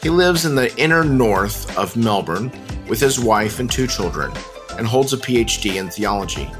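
A man hosting a podcast, reading a measured, even introduction and asking interview questions. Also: lowish voice, music in the background. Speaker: podcast host.

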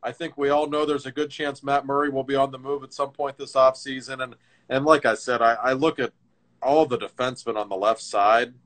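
Middle-aged guy chatting hockey, gets animated and punchy, voice jumps around a lot. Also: medium pitch, fairly quick, poor audio. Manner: animated storyteller, lively emphatic swings. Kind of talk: casual hockey chat.

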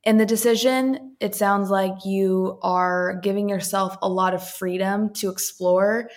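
A woman's voice: mid-range voice, fairly even intonation, a little slow. A young woman co-hosts a casual chat podcast. She talks in an encouraging, supportive way. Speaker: podcast co-host.

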